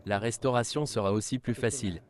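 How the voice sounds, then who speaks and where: A man's voice: medium pitch, brisk. A man explaining heritage work matter-of-factly in an interview. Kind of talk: interview answer. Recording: voice with loud crowd behind.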